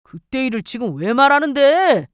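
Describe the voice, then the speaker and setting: A woman's voice: high voice, very animated, moderate pace, no echo, clean studio sound. A woman voicing a petty, defensive young husband who talks in a sneering, dismissive way.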